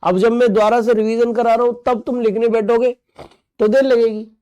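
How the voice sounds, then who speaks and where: A man teaching an online exam-prep lesson, playful and joking with students' comments, drilling terms by repeating them and asking quick questions. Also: extremely high pitch, fairly even intonation, mellow, clean tone.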